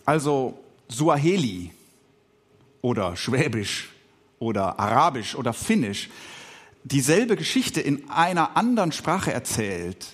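A middle-aged man, a pastor who grew up speaking Swiss German, giving a reflective podcast sermon with pauses and filler sounds. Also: medium pitch, sing-song, husky.

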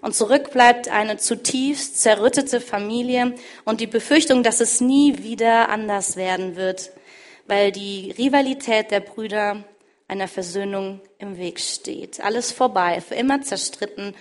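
A woman preaching, retelling a scripture story emphatically, swinging between loud stress and hushed endings. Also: mid-range voice, a little slow.

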